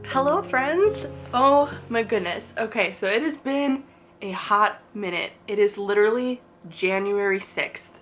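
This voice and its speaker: Over music, a young woman vlogs casually about books and lifestyle in an animated, unhurried, medium-pitched voice. She sounds stuffed up and coughs, yet remains cheerful and chatty, often laughing and saying "like."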